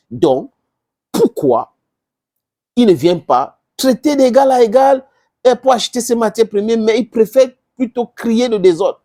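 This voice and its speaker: This is a commentator from Southern Cameroon whose first language is English, with a Cameroonian accent and a dark, medium-pitched voice. Addressing viewers, he delivers passionate, informal political commentary packed with rhetorical questions and emphatic repetition.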